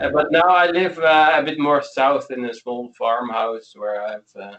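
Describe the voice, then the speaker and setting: A man with a Dutch accent speaks at a moderate pace and fairly high pitch with ordinary pitch variation. His loudness swings a lot. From Netherlands, near Delft. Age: 30s. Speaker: musician. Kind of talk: casual interview.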